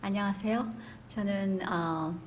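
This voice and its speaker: A middle-aged Korean woman introducing herself to a group in a hesitant, reflective way with pauses. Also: mid-range voice. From Korean living in California, United States. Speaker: seminar participant introducing herself. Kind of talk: halting self-introduction to a group. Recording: noticeable background room noise.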